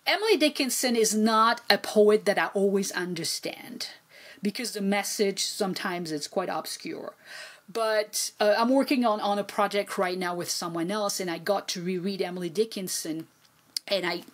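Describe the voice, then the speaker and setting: A woman's voice: mid-range voice, normal speed. A middle-aged woman whose first language is French, talking animatedly as a guest over a video call from home. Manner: animated, expressive, repeats words when excited. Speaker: guest, poet and translator. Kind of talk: casual conversational interview. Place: home room with bookshelves.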